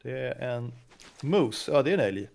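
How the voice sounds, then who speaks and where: A man's voice: mid-range voice, animated, gravelly, darkish tone. A man chatting casually and easily while playing a game together with the host. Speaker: co-player and guest. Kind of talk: casual gaming chat.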